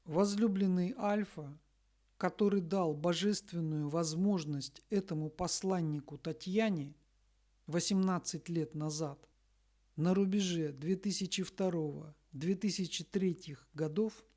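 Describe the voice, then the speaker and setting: A woman reads a scripted spiritual message in a solemn, deliberate manner, pausing between short phrases. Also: on the low side, warm tone. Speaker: spiritual messenger reading a message.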